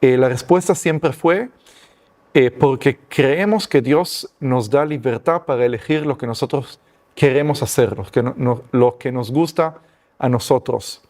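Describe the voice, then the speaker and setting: A man's voice: medium pitch, a little slow, darkish tone. Guy, stumbles a lot in spanish, lots of "eh", voice right in the middle. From Israel. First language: Hebrew. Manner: hesitant, many fillers and restarts, searching for Spanish words. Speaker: guest giving testimony. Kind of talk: personal testimony interview.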